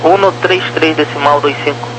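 A man's voice: a little high, fairly even intonation, moderate pace. A Brazilian man giving procedural, number-heavy instructions as an air traffic controller over the radio. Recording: noisy humming radio channel.

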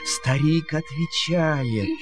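Slow, expressive male fairy-tale narrator. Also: on the high side, music in the background. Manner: theatrical, singsong verse reading. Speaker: storyteller.

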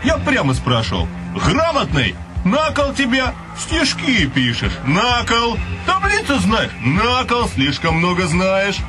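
An ignorant, bloodthirsty tavern loudmouth, blusters with scorn. His high voice leaps all over the place. It is a satirical radio drama with music behind. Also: huge pitch swings, measured pace, full character voice. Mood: bloodthirsty blustering.

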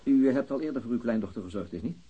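Very hoarse, polite police investigator. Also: male voice, mid-range voice, animated, quick pace, phone-quality sound. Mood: puzzled, probing. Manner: formal, probing. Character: polite, persistent male police investigator questioning a witness. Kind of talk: radio drama dialogue.

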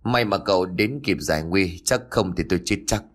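A man's voice: low voice, normal speed. A man voicing a confident young company heir who coolly accuses his board in a spoken story. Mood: polite. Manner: cold, accusing.

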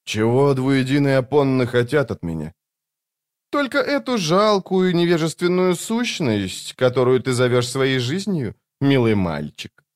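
A man's voice: medium pitch, expressive, a little slow, voice pushed up, close to an everyday voice. A man voicing a capricious, imperious goddess of luck, one of two divine twins, in a raised voice. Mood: teasing.

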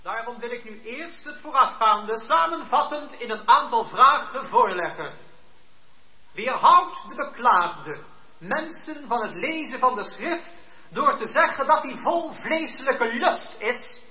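A man's voice: very high voice, expressive, unhurried, sharp tone, heavily acted. An actor playing a pedantic, indignant clergyman who makes formal, long-winded accusations in a radio drama. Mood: pompous, accusing. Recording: roomy, dull lo-fi radio recording.

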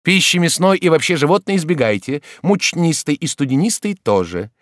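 A man reading an audiobook voices a confident fashionable doctor giving brisk advice. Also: fairly high pitch, sing-song, dry recording, clean studio sound, pitched above the performer's own voice. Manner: brisk, prescriptive, upbeat.

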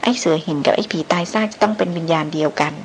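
A woman voicing an excited old male local tracker who blurts his words out in a stammer. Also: deep voice, rapid-fire, creaky, slight background noise, rough recording.

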